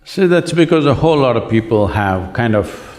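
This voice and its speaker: A hoarse man with an Indian English accent answering student questions in a public talk, asking rhetorical questions and inviting agreement. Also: mid-range voice, expressive, normal speed, darkish tone. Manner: rhetorical, asks the audience to agree. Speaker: spiritual speaker answering questions. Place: large lecture hall with an audience.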